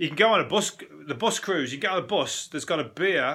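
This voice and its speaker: A man with a Birmingham accent talks at a moderate pace in a bright, sharp tone. His intonation is lively. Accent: Birmingham (Brummie) English. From Birmingham, West Midlands. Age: adult. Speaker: podcast host and comedian. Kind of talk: casual solo commentary.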